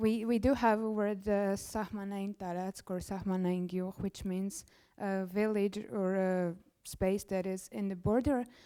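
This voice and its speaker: A woman with an Armenian accent, a dark, mellow tone and fairly even intonation. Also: medium pitch for a woman, fairly slow pace. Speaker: summer school participant. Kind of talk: seminar discussion. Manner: halting.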